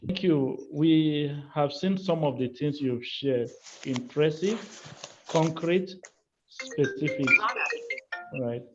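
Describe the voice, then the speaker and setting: A man trainer speaking deliberately over a video call, halting and repeating words as he sums up the group work. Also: a little high, a little mellow. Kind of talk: workshop debrief on a video call. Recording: muffled call audio with faint music.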